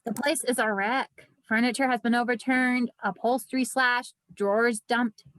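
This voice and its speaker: A woman with a fairly high voice and a dry, close sound narrates a screenplay. She reads stage directions as scripted narration for a table read. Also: steady tone, moderate pace, a bit bright, no room sound.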